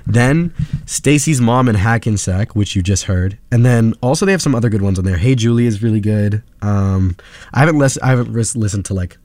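A man's voice: fairly low pitch, brisk, a little mellow, no room sound. A man hosting a casual student radio show, chatting loosely between songs with lots of fillers and restarts. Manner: laid-back, rambling, lots of fillers. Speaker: college radio DJ.

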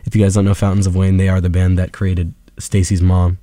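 A man's voice: sits low, completely flat delivery, brisk, warm tone, no room sound. A man hosting a casual student radio show, chatting loosely between songs with lots of fillers and restarts. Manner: laid-back, rambling, lots of fillers. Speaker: college radio DJ.

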